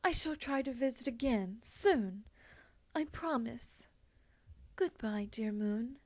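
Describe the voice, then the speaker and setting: A woman voicing a wistful, regal winged pony princess in a storybook, speaking formally, softly and solemnly. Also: fairly high pitch, lively intonation, takes it slowly. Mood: affectionate, resigned. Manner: formal, soft-spoken, solemn. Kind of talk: storybook character acting.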